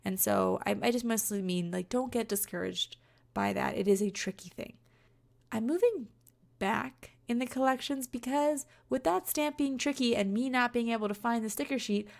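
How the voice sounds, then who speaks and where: A young woman with a rough voice from being sick, chatting casually over her crafting video in a rambling way. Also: fairly high pitch. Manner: chatty, rambling, many fillers. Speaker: card-making vlogger.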